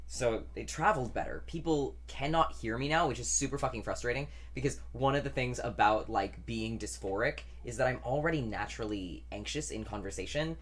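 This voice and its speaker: A young trans man chatting casually in a weekly vlog, rambling and self-deprecating, with a deep voice that doesn't carry. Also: brisk, hardly any pauses, a bit bright. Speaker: vlogger.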